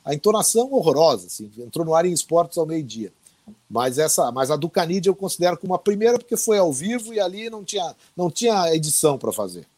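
A middle-aged man, telling old reporting stories in a casual interview. His voice sits high for a man and swings widely up and down. He acts out the voices he quotes with lively energy. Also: fast. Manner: animated anecdotal storyteller who acts out quoted voices. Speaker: veteran sports reporter, guest.

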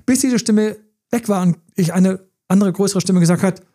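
Man, middle-aged, podcast coach, casual talk, animated storytelling, slightly high voice, mellow tone. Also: normal speed. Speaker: relationship coach and podcast host.

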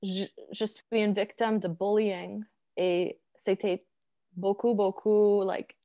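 A woman, native English speaker, chatting casually in halting French with an English-speaking accent, searching for words and slipping into English. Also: mid-range voice, level tone, warm tone. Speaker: interview guest.

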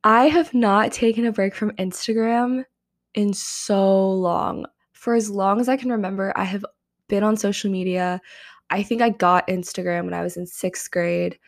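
Young woman, podcast host, creaky vocal fry, mid pitch, casual chatty delivery, slightly strained voice. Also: steady tone, normal speed. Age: young adult. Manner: casual and chatty, frequent ums. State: slightly strained voice after karaoke. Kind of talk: solo podcast monologue.

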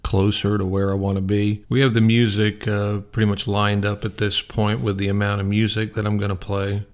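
Low-voiced, gravelly male radio host. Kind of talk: casual solo radio show talk.

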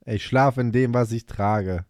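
A man's voice: mid-range voice, a little slow, a little mellow, no echo, studio quality. A young man co-hosting a casual podcast, teasing and joking with slangy remarks. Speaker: podcast co-host. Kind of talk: casual chat.

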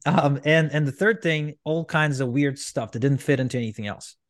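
A man's voice: a little high, moderate pace, dry recording. Guy from ukraine, guest on a podcast, rambles, lots of um and restarts, dry close sound. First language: Russian. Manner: rambling, frequent restarts and fillers. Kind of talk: candid storytelling interview.

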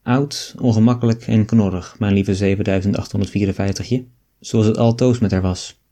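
A man's voice: lowish voice, steady tone, moderate pace, mellow, lightly acted. A man reading an audiobook, voicing an affectionate female talking monkey in a coaxing, tender way.

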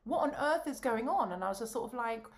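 A woman, an opera singer and voice coach, chatting in a bubbly, animated way and laughing often over a video call. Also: fairly high pitch, fast. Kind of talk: casual chat.

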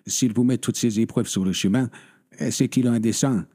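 An actor playing a gentle, devout parish priest in an audio drama, speaking in a calm, consoling manner with a husky voice. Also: male voice, medium pitch, moderate pace, lightly acted.

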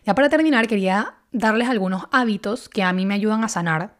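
A woman's voice: medium pitch, fairly quick. Earnest young woman. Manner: earnest, conversational, laughs softly between points. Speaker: video host. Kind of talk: casual self-help talk to camera.

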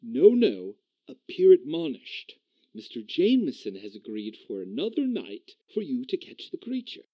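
A man playing a stiffly formal, deadpan uncle speaking over the phone. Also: medium pitch, moderate pace, no room sound, muffled recording.

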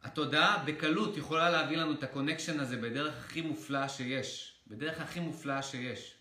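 A man with a bright, tense, slightly high voice tells a personal story straight to his viewers. He gets animated and excitable, with excited outbursts and the odd swear. The room around him has a noticeable echo. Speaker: motivational creator. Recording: echoey room.

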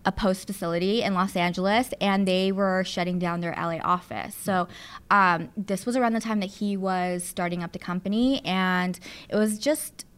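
A woman's voice: mid-range voice, moderate pace, clean tone. A woman in her thirties, a producer and studio owner born in the Philippines and raised in Southern California, chatting casually as an interview guest with plenty of fillers and asides.

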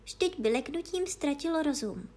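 A woman voicing a polite young girl in a storybook reading, with a raised, drawn-out, indignant girlish voice. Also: sits high, animated, darkish tone, voice pushed up. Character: young girl, polite but easily offended.

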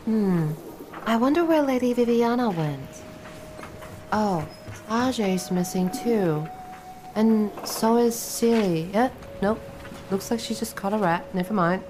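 A woman acts an idly curious passenger on a ship in an audio roleplay. She muses to herself at a very slow, drawn-out pace. Music plays clearly behind her. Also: medium pitch, animated. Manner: musing aloud, drawn-out. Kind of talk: improvised roleplay over sound design.

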